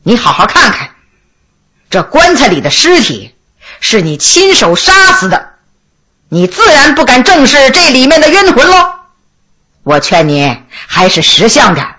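A stern male judge of the imperial court, interrogating in a slow, measured, coldly reproachful voice, as a woman storyteller puts him on. The delivery is unhurried with a lively rise and fall. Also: high voice, full character voice.

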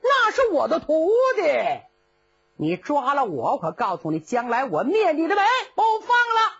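Brief: a swaggering old general who brags nonstop, played by a woman, high voice swooping widely, dull lo-fi recording. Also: wildly swooping pitch, normal speed, a bit bright, full character voice. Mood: blustering. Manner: bragging, comic bluster. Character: boastful blustering old male general.

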